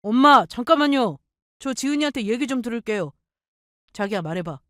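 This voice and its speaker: A calm young husband tries to settle things in a measured tone, as a woman reading a story plays him. He speaks a little lower than the narrator's own voice. The recording is dry. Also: no room sound. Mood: placating. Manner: placating, measured.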